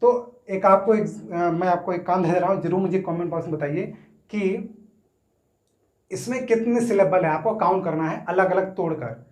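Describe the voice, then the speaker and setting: A man teaches English grammar in a casual Hindi lesson, writing on a board in an echoey room. He explains step by step, stretches words out slowly when sounding them, and often checks in with "theek hai na". His voice sits high and is a little mellow.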